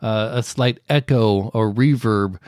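A middle-aged man with a deep voice, explaining audio equipment as a podcast guest with halting restarts. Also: darkish tone, dry recording, studio quality. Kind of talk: casual explanatory interview.

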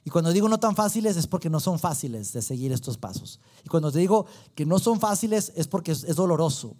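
A man's voice: fairly high pitch, lively intonation, fast, darkish tone. A man with a Mexican accent preaching a sermon, telling a personal story with emphatic repetition. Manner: emphatic, repeats words for stress.

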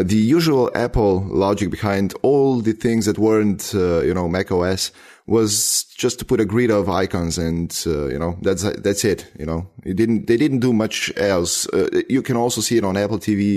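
Very deep-voiced hesitant man, non-native speaker. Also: a little mellow. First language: not English. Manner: hesitant, many filler pauses. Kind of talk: casual tech chat.

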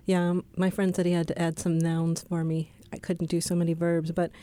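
A woman's voice: lowish voice, level tone, fairly quick, dark tone, clear, resonant tone, no echo. A woman hosting a casual literary interview, encouraging and affirming toward her guest. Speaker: interview host, poet.

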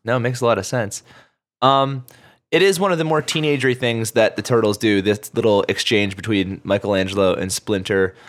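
A man in his thirties hosting a casual podcast chat, relaxed and laughing often. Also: lowish voice, a little fast. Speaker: podcast host.

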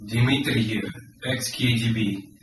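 A man's voice: medium pitch, steady tone, takes it slowly, recorded from a distance, noisy background, close to an everyday voice. A man playing a boastful former KGB agent with a put-on Russian accent and broken English, hawking gadgets like a proud salesman. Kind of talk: comedy sketch in character. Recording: very echoey room, off-mic, music behind.

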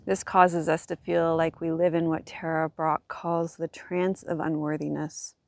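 A woman guiding a yin yoga class as the teacher, speaking gently and soothingly in measured phrases with pauses. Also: deep voice, little pitch movement, creaky, no room sound. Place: outdoors in a regional park.

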